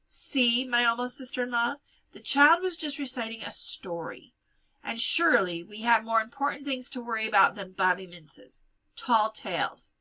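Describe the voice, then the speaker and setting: A stern aunt in a storybook, voiced by a woman reader, scolding and practical. Her voice is bright and forceful, pushed up above the middle. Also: a little high, expressive, moderate pace, voice pushed up, rough recording. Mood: brisk, insistent.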